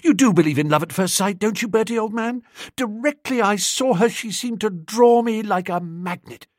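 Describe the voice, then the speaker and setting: A man voicing an excitable, lovestruck young upper-class man who gushes eagerly and rushes his words. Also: high voice, no room sound, studio quality, voice pushed up, lightly acted. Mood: gushing. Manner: gushing, eager, rushing ahead.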